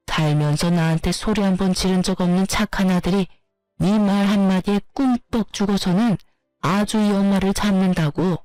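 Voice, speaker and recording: A woman's voice: mid-range voice, a little mellow, no echo, natural voice. A woman voicing a domineering older mother-in-law who berates and insults her daughter-in-law in a story narration.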